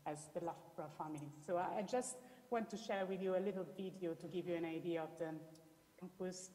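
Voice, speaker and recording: A woman from Italy presents with slides as an academic researcher, explaining in an Italian accent and often restating what she said. She talks fairly quickly in a lowish, mellow voice, and the hall echoes with long reverb.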